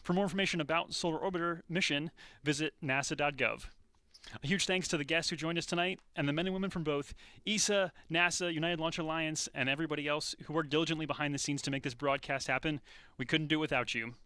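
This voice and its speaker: A male anchor presents in a polished announcing style. He talks fast in a slightly high, bright and forceful voice, recorded clean and dry. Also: fairly even intonation, clear, resonant tone, dry recording. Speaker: broadcast anchor.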